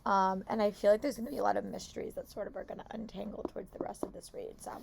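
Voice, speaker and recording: A young woman chatting casually in a book vlog, hoarse from a long day of talking at work, upbeat with lots of "like" and restarts. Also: medium pitch, fairly even intonation, racing, a little mellow, a little hiss or hum. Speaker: book vlogger. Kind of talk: casual vlog check-ins.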